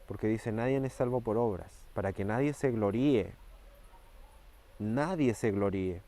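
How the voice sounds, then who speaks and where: A man preaching a fervent sermon, repeating key phrases and slowing down and rising for emphasis. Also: lowish voice, mellow.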